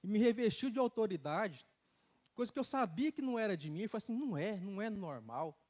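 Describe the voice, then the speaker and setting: A man preaches in a church. He tells his testimony in an animated, storytelling way, with casual asides and bursts of laughter. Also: high voice, fast talker. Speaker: church speaker giving a testimony. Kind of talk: sermon testimony. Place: church sanctuary.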